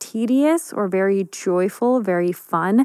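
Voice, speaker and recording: A woman's medium-pitched voice, an ordinary speaking voice, with ordinary pitch variation, a dry, close sound with no echo and a very clean recording over a silent background. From Bosnia, then Serbia, then Canada. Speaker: psychotherapist and author. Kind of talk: casual chat. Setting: studio.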